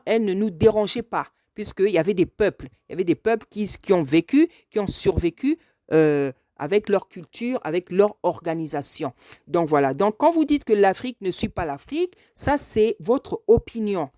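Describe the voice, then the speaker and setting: Earnest woman, mellow dry voice, repeating herself. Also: mid-range voice, no room sound. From France. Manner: hesitant, repeats phrases for emphasis. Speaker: speaker addressing a video message to a politician. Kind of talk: spontaneous spoken address, earnest monologue.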